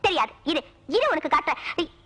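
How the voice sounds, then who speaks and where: An actress playing an arrogant young rich heiress who talks down to others in a film comedy scene. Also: female voice, high-pitched, big pitch swings, a little fast. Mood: haughty. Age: young adult. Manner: haughty, scornful.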